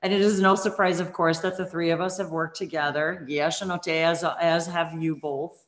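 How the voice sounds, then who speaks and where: A woman hosting a spiritual live-stream chat over a video call, speaking slowly and sometimes chanting strings of invented syllables. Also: fairly low pitch, fairly even intonation. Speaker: host.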